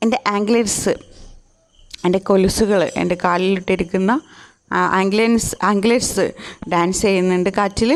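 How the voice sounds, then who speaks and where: A woman explaining a folk song line by line, reading the quoted lines slowly and a little higher, with hesitant fillers. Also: steady tone, poor audio. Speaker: teacher explaining a poem. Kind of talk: lecture mixing Malayalam and English.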